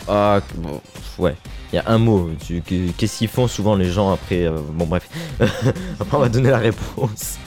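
A man's voice: on the low side, moderate pace. A man co-hosting a casual live web radio show in French, chatty and laughing often as he runs a music quiz. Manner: laughing, chatty, lively intonation.

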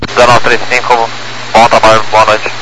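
A man with a Brazilian accent, an airline pilot speaking over the aircraft radio in brisk, clipped readbacks. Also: mid-range voice, completely flat delivery. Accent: Brazilian Portuguese. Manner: brisk, formulaic phrasing. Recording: noisy radio transmission with static.

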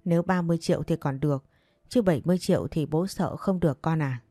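A woman voicing a gentle, caring middle-aged father who speaks calmly. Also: mid-range voice, quick pace, no echo, clean studio sound, soft background music, close to an everyday voice.

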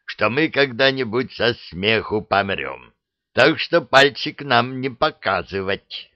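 A man voicing the middle head of a three-headed dragon in a storybook reading, slow and matter-of-fact. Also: medium pitch, animated, dry recording, muffled recording.

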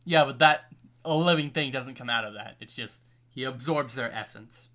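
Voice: medium pitch, normal speed, bright, forceful tone. A young adult in a casual chat, arguing points and reasoning things out.

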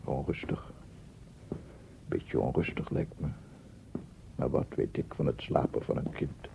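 Gravelly, obsessive paranoid man. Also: very deep voice, unhurried, heavily acted. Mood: hushed, uneasy. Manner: theatrical, muttering to himself, repeating words, swelling into proclamations. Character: paranoid, obsessive male amateur sound researcher, unhinged and embittered. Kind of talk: radio drama monologue. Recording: muffled narrow-band old radio recording, noisy.

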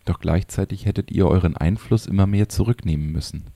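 A man reading a gentle, wise old sage. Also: low-pitched, fairly quick, gravelly, dry recording. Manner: soft, understanding.

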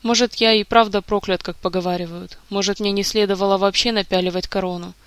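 Audiobook king, grieving and halting, read by the narrator; dry close sound. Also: medium pitch, fairly even intonation, clear, resonant tone, no room sound, close to an everyday voice. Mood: despairing. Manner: weary, halting, close to tears. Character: grieving, despairing king, adult man.

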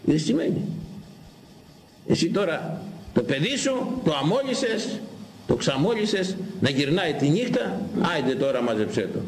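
An older man, an Orthodox priest, giving a sermon in an animated, scolding way, repeating phrases and reciting scripture slowly. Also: on the high side, roomy sound, rough recording. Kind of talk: sermon on Proverbs.

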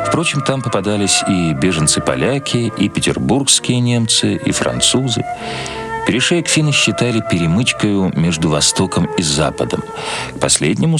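A man reading scripted literary prose as the narrator of a radio production. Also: extremely low pitch. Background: loud music.

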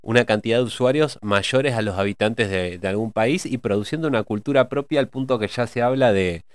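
A man in a reflective cultural discussion, pausing often with hesitations as he thinks aloud. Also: mid-range voice, no echo. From Argentina.

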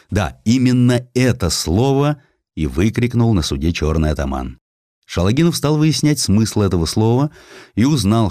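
Male narrator, low voice, theatrical and measured, swooping intonation, weighty pauses. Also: darkish tone, no room sound, clean studio sound. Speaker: narrator, audiobook performer. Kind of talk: dramatic scripted narration.

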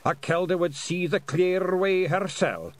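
A man voicing a gruff ninety-six-year-old Scottish piper with a thick Scottish accent, scolding bluntly in an audiobook. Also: sits high, a little slow, voice pushed up. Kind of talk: audiobook character voice.

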